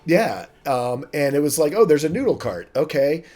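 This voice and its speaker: A man's voice: on the high side, sing-song, moderate pace, a little mellow. A man who runs a tabletop game, talking casually with his players and rambling through plenty of fillers and self-deprecating asides. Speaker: game master. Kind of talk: casual cast chat about a tabletop game.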